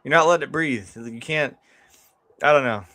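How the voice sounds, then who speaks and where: Regular guy chatting about movies, mid pitch, wanders off into little asides. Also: normal speed, bright, forceful tone. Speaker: film review show co-host. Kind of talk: casual chat about films.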